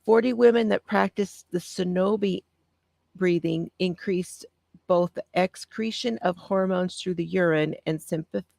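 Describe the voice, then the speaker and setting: A woman hosting a casual live stream, with a soft, calming voice, reading out notes on breathing and answering viewer comments. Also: on the low side, gravelly, no room sound. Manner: gentle, reads aloud with pauses and answers viewer comments. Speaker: craft channel host.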